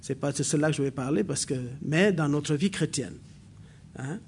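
In a church hall, a New Caledonian man whose native tongue is a local language of New Caledonia delivers a sermon, halting and filler-laden at first, then rising to emphatic preaching. His slightly high voice has a darkish tone, with a little hiss or hum.

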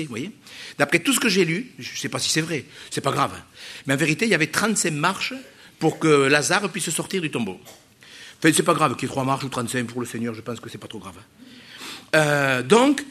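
A pastor preaching to his congregation, emphatic and repetitive, swinging between loud exhortations and soft asides. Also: fairly high pitch. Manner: addresses the congregation directly, repeating phrases. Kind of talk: sermon.

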